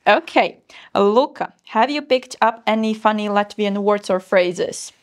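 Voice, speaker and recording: A woman's voice: medium pitch, a little slow. A woman hosting a podcast interview, upbeat and encouraging, with lots of small agreeing hums. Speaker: host.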